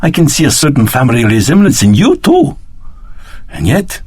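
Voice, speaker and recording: A man's voice: medium pitch, huge pitch swings, normal speed, a little mellow, breathy edge, dry recording. An actor voicing an agitated, earnest male research scientist in a video game. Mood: pensive, astonished. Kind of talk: dramatic video game voice acting.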